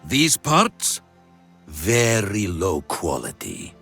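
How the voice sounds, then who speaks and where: An actor voicing a dry, fussy male mercenary in a video game, speaking in a formal, deliberate deadpan. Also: sits low, vocal fry, slightly rough, faint music behind, heavily acted. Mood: unimpressed. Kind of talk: video game character acting.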